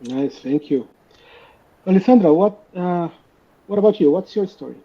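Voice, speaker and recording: Seorang wanita moderator yang mengajukan pertanyaan dengan tersendat dan sering mengulang kata. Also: female voice, on the low side, lively intonation, husky, lo-fi sound. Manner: halting, repeats words. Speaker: panel moderator. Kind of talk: asking interview questions.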